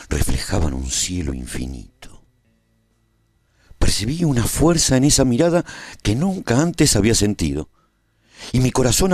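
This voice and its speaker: A man's voice: on the low side, darkish tone, no echo, studio quality. A man playing a battle-seasoned adventurer, narrating his story in a scripted, dramatic first-person radio serial style.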